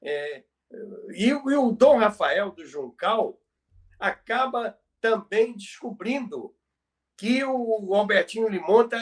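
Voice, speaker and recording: Brazilian male co-host, high-pitched, conversational storyteller with halting, repetitive phrasing. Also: expressive. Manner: halting, repeats words for emphasis. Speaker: podcast co-host. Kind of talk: conversational storytelling about radio history.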